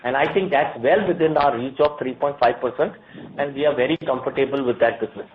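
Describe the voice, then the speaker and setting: A man with an Indian accent answering questions as a bank executive on an earnings call, in a measured but halting corporate manner with repeated words. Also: mid-range voice. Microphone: telephone conference line. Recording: tinny phone line with noise and clicks.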